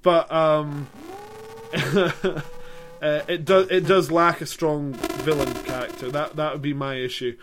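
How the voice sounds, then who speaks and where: A man co-hosting a casual film podcast, talking in a slightly higher voice. He speaks in a measured, hesitant way and fills his pauses with frequent ums. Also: fairly even intonation, music in the background. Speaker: podcast co-host. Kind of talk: casual chat.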